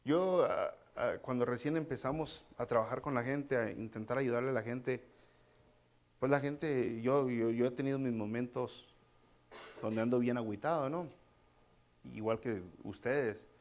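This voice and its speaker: A man's voice: mid-range voice, measured pace, a little mellow. A man preaching a casual, conversational sermon, repeating key phrases and calling his listeners brother. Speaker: pastor.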